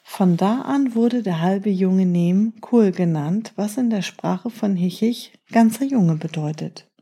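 Mellow breathy woman reading a children's tale. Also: mid-range voice, takes it slowly. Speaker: storyteller. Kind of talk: reading a children's story aloud.

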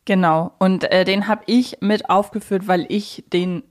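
A woman's voice: mid-range voice, steady tone, unhurried. A woman hosting a podcast in a casual, chatty, informal way. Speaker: podcast host. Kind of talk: casual chat, podcast discussion.

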